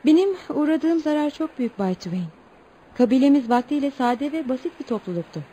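A woman's voice: sits high, lively intonation, brisk, warm tone. An actress playing a wistful young tribal woman, a rich man's daughter, speaking earnestly and formally in radio theatre. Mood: troubled, earnest.

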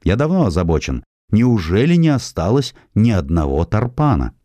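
A man's voice: fairly low pitch, sing-song, normal speed, mellow, no room sound. A man voicing an earnest landowner and naturalist devoted to animals, in an audiobook. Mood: earnest, concerned. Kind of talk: audiobook narrator quoting a character.

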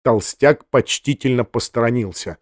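A man narrating a classic novel as an audiobook, in an expressive, measured reading. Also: medium pitch, no echo, studio quality.

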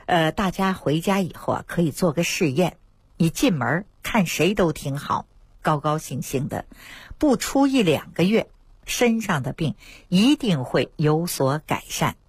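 A woman doctor, telling lively anecdotes about patients on a radio talk show. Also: sits low, unhurried, breathy edge, no room sound. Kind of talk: storytelling health talk on radio.

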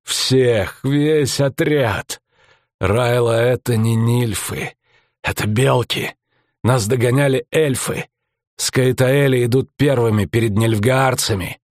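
A male audiobook narrator voicing a wounded, exhausted male mercenary with a hoarse, strained voice. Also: mid-range voice, takes it slowly, no room sound, clean studio sound, lightly acted. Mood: groaning urgent.

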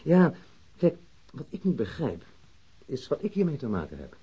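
Defiant male suspect: dark, very raspy, evasive and irritated, radio-play recording. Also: fairly high pitch, huge pitch swings, normal speed, heavily acted. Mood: defensive. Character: defiant, indignant male airline worker held as suspect. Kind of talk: Dutch radio play acting. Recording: dull lo-fi radio drama recording.

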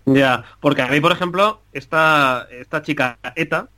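A man hosting a podcast, talking in a relaxed, slangy way. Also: a little high, normal speed. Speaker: podcast host. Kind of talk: casual podcast chat.

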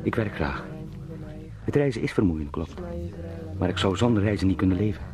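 An actor in a radio drama playing an anxious travelling salesman turned beetle, pleading and eager to please in halting, formally polite speech. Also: sits low, expressive, over music. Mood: apologetic. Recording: clearly noisy radio play sound.

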